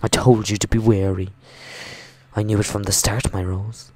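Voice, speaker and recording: A man voicing a possessive, mocking mother in a visual novel, with cloying, drawn-out endearments. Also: on the low side, level tone, dark tone, close to an everyday voice. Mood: scornful. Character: possessive, mocking, sinister mother figure, a grown woman. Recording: music behind the voice.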